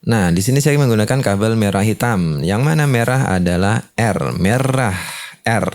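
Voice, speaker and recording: Casting: man, lowish voice, hands-on instructor who explains step by step and checks in with short tags. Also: normal speed, a little mellow. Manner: explanatory, with frequent confirming tags. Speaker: audio tutorial presenter.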